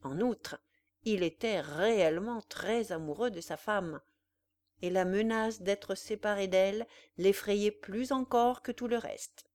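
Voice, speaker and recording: A woman's voice: medium pitch, measured pace, a little mellow, no room sound. Woman reading a classic novel aloud. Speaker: audiobook reader. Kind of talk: scripted literary narration.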